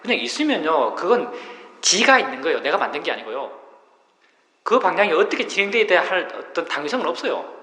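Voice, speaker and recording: Lively bright-voiced monk teaching. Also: male voice, a little high, a little fast. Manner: patient explaining, rhetorical questions. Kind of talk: dharma talk. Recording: roomy hall reverb.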